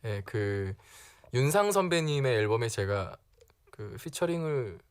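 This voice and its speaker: A man's voice: mid-range voice, sing-song, measured pace, smooth. A man appearing as a guest singer on a radio show, telling stories about his career in a playful, self-mocking way. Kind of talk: casual radio chat.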